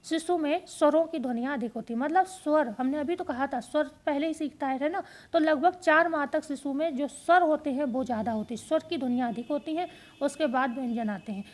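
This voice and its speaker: High-voiced woman teaching exam prep. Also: brisk. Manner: explains step by step, repeating key points as questions and answers.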